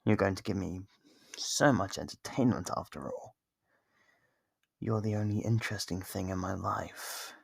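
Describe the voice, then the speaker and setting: An actor voicing a smug, possessive, centuries-old vampire in an ASMR roleplay, slow and condescending, with a gravelly, husky voice and whispered phrases. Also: sits low, dry recording, studio quality, full character voice. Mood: smug, hungry. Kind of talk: ASMR roleplay monologue to the listener.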